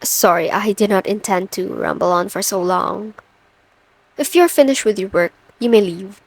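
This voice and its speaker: A woman playing a stern, overworked chief executive in an ASMR roleplay, measured and commanding with dry sarcasm. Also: medium pitch, no room sound, close to an everyday voice, poor audio. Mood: weary, businesslike. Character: stern, overworked female CEO, pent-up and dryly menacing. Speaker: audio roleplay voice performer.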